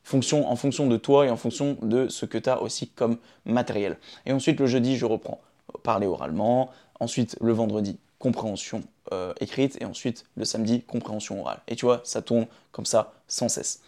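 A man's voice: mid-range voice, normal speed, dark tone. Young male vlogger, casual chatty delivery that keeps checking in with the listener, recorded on a phone indoors, mid-range voice. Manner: chatty, often checks in with "d'accord?" and "ok?". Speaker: vlogger sharing his daily routine. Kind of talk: casual direct-to-camera advice. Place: his room indoors. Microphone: phone camera.

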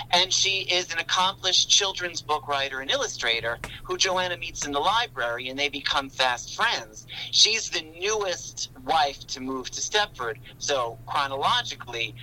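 Male podcast guest, very bright tone, detailed storyteller, slight background noise. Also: on the high side, low-quality recording. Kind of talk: casual film discussion.

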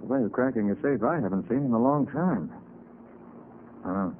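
An actor playing a brisk, confident American master detective, giving clipped deductions in a 1940s radio drama. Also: male voice, mid-range voice, animated, lightly acted. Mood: brisk, analytical. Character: brisk, sharp-eyed master private detective. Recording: muffled hissy 1940s radio recording.

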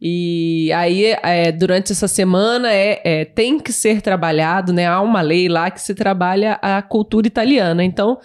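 A woman's voice: fairly low pitch, moderate pace, few pauses. A woman with a Brazilian Portuguese accent chatting informally and giggly as a podcast co-host. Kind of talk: informal casual chat.

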